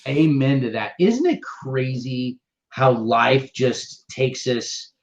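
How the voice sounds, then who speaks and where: A man hosting and producing an interview show, talking in an excitable, playful way. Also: slow. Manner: excitable, playful, jumps up and down in pitch. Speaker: podcast host and producer. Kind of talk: casual interview chat. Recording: slightly dull lo-fi sound.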